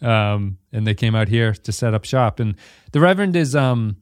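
A man's voice: lowish voice, animated, normal speed, smooth, no echo, studio quality. A man hosting a casual podcast, explaining plot points at length with frequent restarts. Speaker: podcast host. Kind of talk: casual chat.

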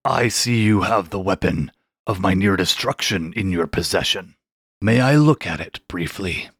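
A man voicing a huge ancient male king shark in a storybook, speaking in a deep, growly, slow and solemn way. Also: lively intonation, fairly bright tone, husky, heavily acted. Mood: grave. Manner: slow, solemn, stately speech. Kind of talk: storybook character voice.

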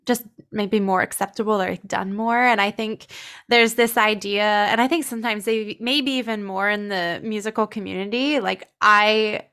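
A woman's voice: mid-range voice, fairly even intonation, moderate pace, fairly bright tone, clear, resonant tone. A woman hosting a podcast, asking questions in a casual, chatty way full of fillers and hesitations. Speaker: podcast host.

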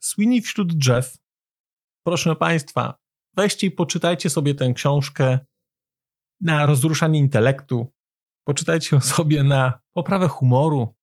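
A man giving a relaxed, playful book recommendation as a reviewer. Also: a little high, a little slow. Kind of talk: casual book commentary.

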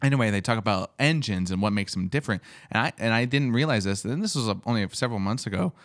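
A man's voice: lowish voice, lively intonation, fast. A man hosting a podcast, talking casually and rambling with lots of fillers and restarts. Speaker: podcast host. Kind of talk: casual chat.

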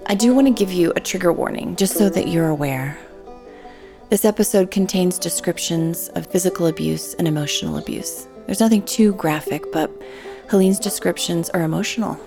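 A woman hosting a podcast, earnest and soft-spoken, sometimes dropping almost to a whisper. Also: on the low side, creaky. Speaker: podcast host. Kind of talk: scripted intro, then gentle interview.

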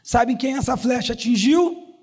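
A man preaching a sermon as pastor, acting out the quoted dialogue of the story and building to shouted exhortations. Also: extremely high pitch, unhurried.

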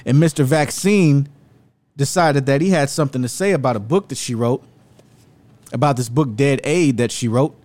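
A man's voice: mid-range voice, moderate pace, darkish tone, no echo. A man hosting an opinionated video commentary, speaking in an emphatic, rhetorical and indignant way. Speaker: commentary host.

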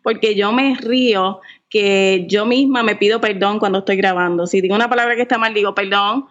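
A woman's voice: mid-range voice, fairly quick. Laughing woman, slightly muffled audio. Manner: laughs often, chatty and self-mocking; mixes in English words. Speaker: podcaster guest. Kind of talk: casual interview chat.

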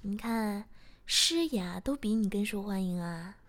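A woman voicing a teasing, outspoken young woman who banters loudly in a whispered story. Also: medium pitch, expressive, a little slow, lightly acted.

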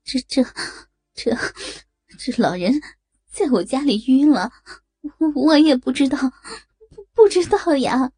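A woman's voice: sits high, animated, slow pace, pauses often, dark tone, husky, voice pushed up, exaggerated voice. A woman voicing a panicked, tearful woman who stammers and pleads while sobbing. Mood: terrified pleading. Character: panicked tearful middle-aged woman caught out.

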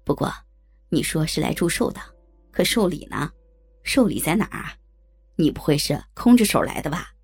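A woman doing a rough, fussy old man. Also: low voice, lively intonation, moderate pace, pauses often, faint music behind, pitched below the performer's own voice, full character voice. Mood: teasing. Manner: hushed, pleading, flustered. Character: gaunt, sickly old man, anxious and fussy.

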